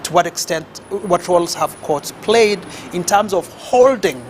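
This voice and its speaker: Kenyan male guest expert, high voice, measured and formal delivery. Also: a little hiss or hum. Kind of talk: studio talk show discussion.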